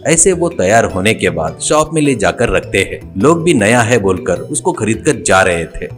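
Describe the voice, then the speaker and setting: A man narrating a cartoon story in a plain, steady storytelling manner. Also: lowish voice, moderate pace, soft background music.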